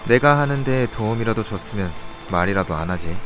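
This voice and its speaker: Low-voiced brooding young man acted, music behind. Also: animated, a little fast, fairly bright tone. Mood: cold, curt. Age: young adult. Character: brooding young man narrating his scheme and guilt, cold and curt. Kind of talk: Korean audio drama acting and narration.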